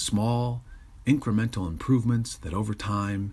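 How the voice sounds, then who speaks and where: The speaker is a man with a fairly low pitch. His voice sounds somewhat breathy. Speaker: performer and screenwriter doing blog commentary. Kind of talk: scripted narration. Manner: fast.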